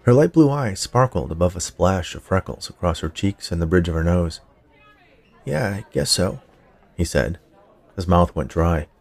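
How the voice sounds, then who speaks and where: Male storyteller for a fiction podcast: deep, fry-edged voice, measured scripted narration. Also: darkish tone. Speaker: writer, narrator and podcast producer.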